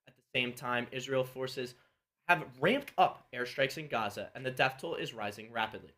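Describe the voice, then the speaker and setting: A man's voice: medium pitch, normal speed, sharp tone. Male news anchor reading steadily. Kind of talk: scripted studio news reading.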